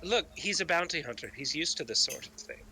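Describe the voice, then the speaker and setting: A man's voice: a little high, expressive, a little fast, heavy background noise. A man playing a tabletop game, bantering casually, sometimes in character.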